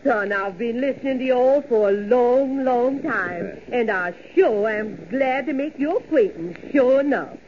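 An actress playing a folksy older Southern mother with a Southern accent and a slow, drawling manner. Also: a little high, natural voice. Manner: drawling, homespun. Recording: hissy muffled old radio broadcast.

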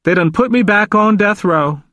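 A male narrator plays a confused, vulnerable old man from an audiobook. The voice is pitched well up and swings widely. He speaks emphatically in folksy, repetitive phrases, and the sound is close and dry. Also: sing-song, normal speed, fairly bright tone, no room sound. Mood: mournful, agitated. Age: older. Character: confused, frightened elderly man pleading in hospital.

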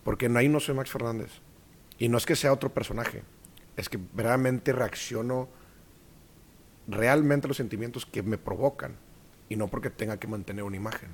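A man with a Mexican accent, a guest actor in a casual interview, telling animated stories and acting out quoted voices. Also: medium pitch, a little fast, a little hiss or hum.

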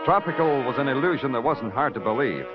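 Actor doing a hard-boiled detective, wry and dry, muffled old radio w music. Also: male voice, mid-range voice, expressive, quick pace, lightly acted. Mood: brooding, wry. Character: hard-boiled detective narrating, world-weary man. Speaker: detective narrator. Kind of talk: 1940s radio acting. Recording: dull lo-fi 1940s radio recording with music.

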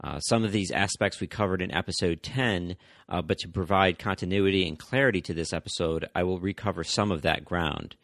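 A man hosting a history podcast, reading scripted narration in a measured way, with occasional fillers and restarts. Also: deep voice, creaky, fairly bright tone, no echo, studio quality. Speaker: podcast host.

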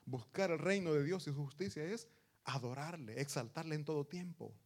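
A pastor delivers a sermon in a voice set a little high for a man. He reads scripture slowly and with weight, then swells to loud emphasis before dropping to near-quiet asides. He speaks warmly and directly to his congregation as brothers. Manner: preaching with sudden loud rises and soft drops; addresses listeners as brothers.

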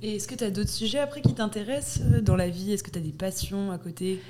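Fast-talking female co-host. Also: medium pitch, steady tone, noisy background. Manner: quick, chatty questions. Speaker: podcast co-host. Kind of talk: casual interview.

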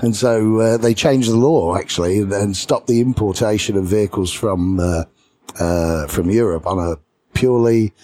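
A middle-aged man with a British English accent and a rough, husky, lowish voice. He tells his stories as an animated guest, chuckling between lines. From England. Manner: lively raconteur who chuckles between lines. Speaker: podcast guest. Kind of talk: anecdotal storytelling in an interview.

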